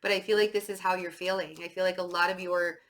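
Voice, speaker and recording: A woman's voice: on the low side, flat delivery, quick pace, a bit bright. A woman with a stuffy, slightly nasal voice giving a casual tarot reading to camera, chatty and full of fillers, nervous and fidgety. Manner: chatty, filler-heavy, with many "um" and "like"; self-described nervous and fidgety. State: stuffy nose from a cold. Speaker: tarot reader.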